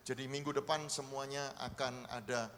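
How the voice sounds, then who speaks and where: Energetic pastor in a reverberant church hall. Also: male voice, mid-range voice, normal speed. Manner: lively, coaxing the congregation to practise greetings. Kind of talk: sermon with congregation greetings.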